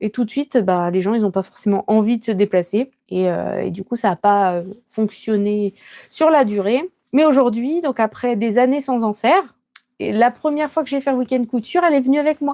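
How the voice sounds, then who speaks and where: A woman speaks at a moderate pace with lively intonation in a fairly high voice with a dark, mellow tone, heard as a dry, close sound with no echo. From rural France. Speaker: sewing content creator. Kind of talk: live sewing tutorial; casual chat. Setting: livestream. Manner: casual, chatty.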